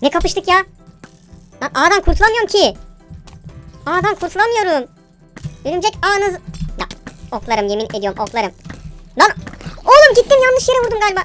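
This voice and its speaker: A woman with a very high, piping voice gives live commentary on her gameplay. She talks in a brash, slangy rush and bosses the on-screen monsters around. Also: very animated, fairly quick, long pauses, soft background music. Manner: brash, bossy, yells at game monsters, slangy.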